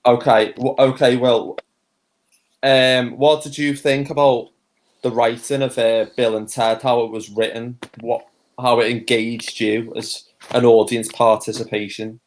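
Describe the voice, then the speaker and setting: Halting, teasing man on a call. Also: mid-range voice, flat delivery, a little hiss or hum, low-quality recording. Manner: rambling, teasing, halting restarts. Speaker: co-host. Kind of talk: casual video-call chat. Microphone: video call.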